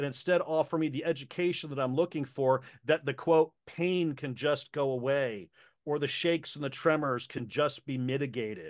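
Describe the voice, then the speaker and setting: Over a quiet background, a man with a fairly high pitch speaks at a moderate pace with ordinary pitch variation, a plain, everyday voice. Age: 50s. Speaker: marketing consultant. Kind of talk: interview.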